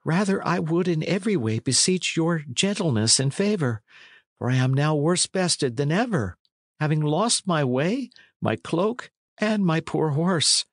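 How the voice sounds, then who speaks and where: Guy doing a plaintive young medieval lad, raised voice, courtly and pleading, storybook style, very animated. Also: on the high side, measured pace, no echo, studio quality, pitched above the performer's own voice. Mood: pleading, rueful. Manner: courtly, pleading archaic speech. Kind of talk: storybook character reading.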